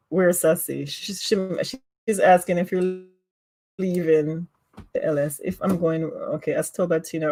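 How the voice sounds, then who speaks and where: A woman with a Jamaican accent chats easily with her livestream viewers and laughs often at herself. Her voice sits low, and she takes her time with every phrase. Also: a little mellow. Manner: giggly, laughs often, self-teasing. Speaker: livestream host. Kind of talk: casual livestream chat reading comments.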